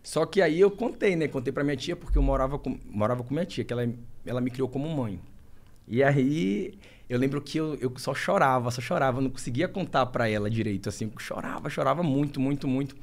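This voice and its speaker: A young man from Brazil, a guest in an interview, telling a personal story in an emotional, halting way with many restarts. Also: mid-range voice.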